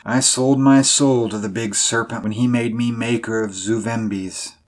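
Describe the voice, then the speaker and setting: A man's voice: medium pitch, fairly even intonation, natural voice. Man voicing a muttering, incredibly old Southern man. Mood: secretive, fearful. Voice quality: mellow, muttering. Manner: slow, drifting into mumbles.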